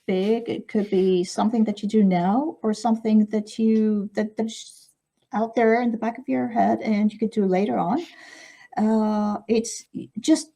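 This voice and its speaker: A woman's voice: fairly high pitch, dark tone. A middle-aged woman whose first language is Arabic, a guest author in a podcast interview, speaking reflectively and often ending points with "okay?".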